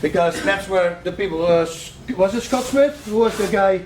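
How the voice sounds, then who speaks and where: A man coaching a striking class, counting out combinations with punch sounds and shouting cues to his students. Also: sits high, moderate pace. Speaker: martial arts coach. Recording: roomy, distant, faint gym noise.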